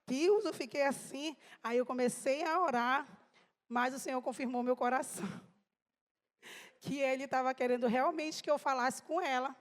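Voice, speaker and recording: A woman's voice: high voice, measured pace. A woman preacher telling an emotional testimony to a congregation, speaking to them directly. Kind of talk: sermon testimony. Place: church hall. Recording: reverberant church hall.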